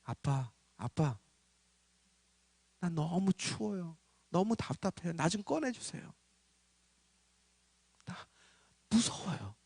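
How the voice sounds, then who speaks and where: A man voicing the frightened spirit of a dead boy who begs his father in a soft, high voice. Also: sing-song, slow, gravelly, long pauses, slightly rough, no room sound, exaggerated voice.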